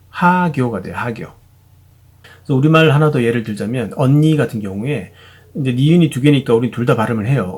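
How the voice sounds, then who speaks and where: A man with a husky, slightly rough voice explains pronunciation patiently and casually. He talks in a relaxed teaching tone and keeps checking that the viewer is following. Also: medium pitch. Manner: patient, chatty, frequent fillers and "그죠?" check-ins. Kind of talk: explanatory video lesson.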